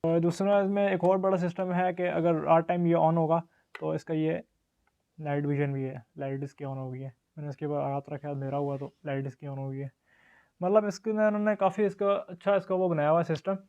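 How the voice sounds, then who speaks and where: A man's voice: on the high side, flat delivery, brisk, a little mellow, clear, resonant tone, lo-fi sound. A man with a Pakistani accent narrating a casual product unboxing and demo as the presenter. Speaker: shop's product reviewer and presenter.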